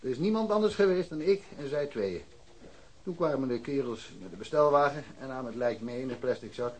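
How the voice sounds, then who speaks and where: An actor playing a blunt, dismissive police detective in a radio drama, offhand and colloquial. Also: male voice, medium pitch, animated, brisk, a little mellow, a little hiss or hum, lightly acted. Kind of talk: Dutch radio drama acting.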